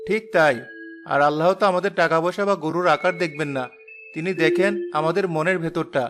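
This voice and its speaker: Brief: man voicing a kind, modest father for a cartoon; high-pitched for a man, soft and patient. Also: fairly quick, music in the background, lightly acted. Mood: gentle. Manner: calm, gentle, reassuring. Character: humble devout poor father, gentle and patient. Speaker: day laborer father. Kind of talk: cartoon voice acting.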